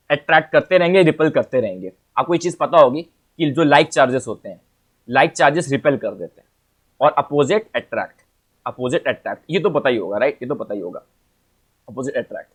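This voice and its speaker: A man's voice: a little high, a bit bright. A man teaching physics in an exam-prep lecture. He talks to the viewer in a chatty, playful way, repeats his phrases, and keeps asking rhetorical questions.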